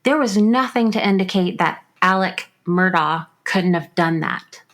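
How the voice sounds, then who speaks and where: A woman's voice: lowish voice, a little slow, a bit bright. Woman arguing a true crime case. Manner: argumentative, explains step by step with frequent fillers. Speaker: podcast co-host. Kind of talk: casual true crime discussion.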